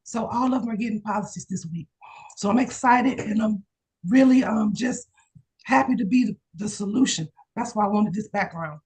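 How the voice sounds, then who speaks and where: A hoarse woman insurance agent sharing her news in an excited, chatty way on a video call. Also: medium pitch, normal speed, poor audio. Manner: excited, testimonial chat with laughs. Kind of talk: casual video call chat.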